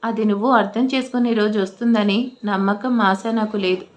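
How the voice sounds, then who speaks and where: A woman voicing a stern but caring older father, measured and questioning, in a storybook reading. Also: mid-range voice, steady tone, natural voice. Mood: regretful.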